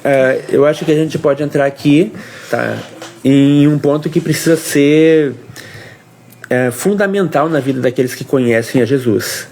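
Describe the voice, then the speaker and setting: A man's voice: on the high side, darkish tone. Man teaching a devotional. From Brazil. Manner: explanatory, pauses and restarts, asks "tá?". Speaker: co-host of a family devotional livestream. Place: home livestream.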